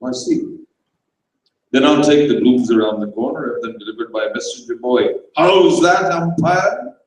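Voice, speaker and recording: Brief: a man playing a chirpy, blunt young woman, raised pitch, distant and echoey. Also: lively intonation, normal speed, close to an everyday voice. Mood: breezy. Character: breezy, forthright young American woman.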